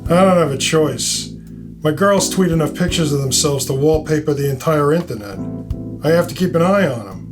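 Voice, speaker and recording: A man's voice: fairly high pitch, lively intonation, normal speed, music in the background, voice pushed up, natural voice. A man voicing a middle-aged New York police detective, a blunt smartass, in an audio fiction drama. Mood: wisecracking. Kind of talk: audio fiction character dialogue.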